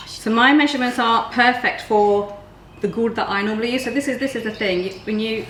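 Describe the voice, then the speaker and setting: Fast-talking woman cook in a roomy kitchen. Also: a little high, fairly bright tone, a little hiss or hum. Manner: practical, explains steps plainly. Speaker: guest cook. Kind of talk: casual cooking demonstration. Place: home kitchen, indoors. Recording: roomy kitchen with faint ambience.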